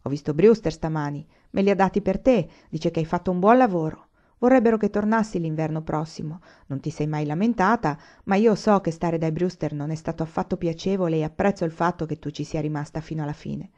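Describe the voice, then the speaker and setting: A gentle pioneer father, read by a woman narrator, speaking low and softly with fondness. The voice is dark and mellow. The audio is dull and lo-fi. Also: a little fast, close to an everyday voice. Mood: fond. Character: warm gentle frontier father.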